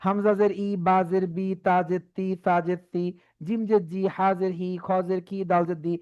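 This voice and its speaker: A man teaching a Quran reading class, patiently saying each letter sound slowly and having the class repeat after him. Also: high voice, level tone, clean tone. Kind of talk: online class lesson. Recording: dull lo-fi.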